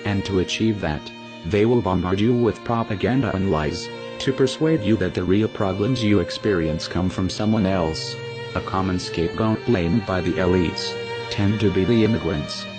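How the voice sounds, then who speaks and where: Anonymous narrator: man, voice disguised low and heavy, solemn scripted delivery. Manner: slow, grave, lecturing delivery. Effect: voice disguised to sound deep. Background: loud music.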